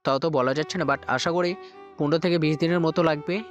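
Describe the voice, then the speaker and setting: A man's voice: a little high, steady tone, quick pace, muffled recording, soft background music, lightly acted. An actor playing a wealthy middle-aged male crime boss and father, speaking through clenched anger. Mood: calm fatherly. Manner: angry, clenched.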